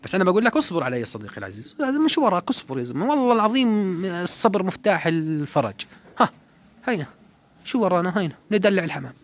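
Man, pigeon keeper, animated rapid commentary, slightly high voice, phone camera outdoors. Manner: animated, repeats words, calls and hisses at birds. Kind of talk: casual running commentary while flying pigeons.

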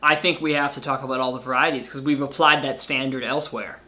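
Bright-voiced young male host on a video call. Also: mid-range voice, fairly even intonation, quick pace. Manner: easygoing, playful, wraps up the show. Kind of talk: casual debate over a video call. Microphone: webcam on a video call.

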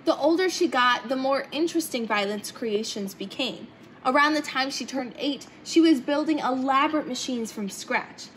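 Young woman, high voice, children's story read-aloud, clear background noise in the room. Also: moderate pace, a bit bright, rough recording. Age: young adult. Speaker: storybook reader. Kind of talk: reading a children's picture book aloud. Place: indoor hangar-like museum room, seated in open cockpit.

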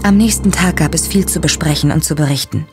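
Woman doing a young woman narrator, fairly low voice, breathy, dramatic, audio drama over music. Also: brisk. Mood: shaken. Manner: dramatic, breathy, dropping to whispers. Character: young woman recounting a shocking discovery.

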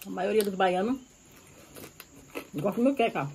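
A woman's voice: medium pitch, expressive, a little slow, dark tone, poor audio. Bahian woman, 30s, food vlogger, casual chat between bites, outdoor porch, faint noise. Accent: Bahian Brazilian Portuguese. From Bahia, Brazil. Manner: chatty, savoring food between remarks. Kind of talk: casual eating vlog. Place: outdoor porch of a rural house.

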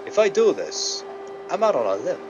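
A man's voice: high-pitched, huge pitch swings, normal speed. An actor playing a wary, grudging crooked businessman with sceptical, clipped tough talk in a 1930s radio drama. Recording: muffled, noisy old-radio sound.

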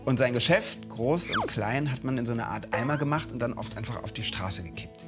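A man's voice: medium pitch, animated, a little fast, over music, close to an everyday voice. A man in his thirties in costume, voicing a cheerful ancient Roman and later a medieval peasant, telling history playfully to children. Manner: playful, exaggerated, addressing kids directly. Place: studio set with sofa.

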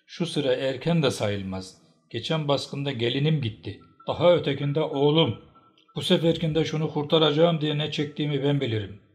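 A man voicing an old tribal matriarch, sharp and scolding as she rebukes the chieftains. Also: fairly high pitch, moderate pace, pitched above the performer's own voice, lightly acted. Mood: angry.

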